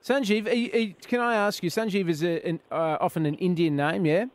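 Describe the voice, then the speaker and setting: An Australian man hosting chatty talk radio and taking calls, joking and expressive in a blokey way. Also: sits high, fairly quick. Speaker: radio host.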